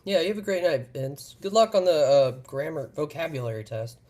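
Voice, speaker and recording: A man's voice: fairly high pitch, expressive, a little mellow. Foul-mouthed male streamer, native Russian speaker. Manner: crude, swears freely; rambling, halting with fillers. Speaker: live streamer. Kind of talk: casual live-stream chat.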